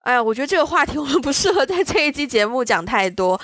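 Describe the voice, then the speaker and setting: A woman's voice: sits high, sing-song, fast, fairly bright tone, no echo, studio quality. A woman, co-hosting a casual podcast in a reflective conversational manner. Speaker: podcast co-host.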